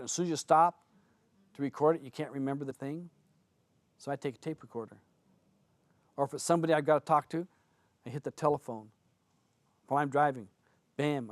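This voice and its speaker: An older man with a slightly high voice gives a spiritual seminar, talking casually and telling anecdotes. He acts out little quoted lines. The sound is dry and close, with no room echo. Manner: conversational, anecdotal, with acted-out quotes. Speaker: spiritual teacher. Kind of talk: seminar talk.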